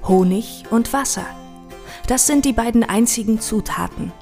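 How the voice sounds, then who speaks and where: A woman's voice: fairly high pitch, normal speed, a little mellow, faint music behind. A woman narrating a scripted history documentary in a composed, informative way.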